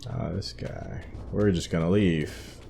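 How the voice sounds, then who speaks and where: Very deep-voiced, slow male gamer. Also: gravelly, dark tone. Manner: musing, thinking aloud. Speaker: gaming video host. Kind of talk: casual game playthrough commentary.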